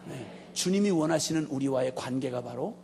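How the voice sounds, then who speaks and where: A middle-aged man preaching a sermon as a missionary, telling a story with humor and speaking straight to the congregation, moving between loud and hushed delivery. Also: mid-range voice, lively intonation, normal speed, slight background noise. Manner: joking, addresses the congregation directly.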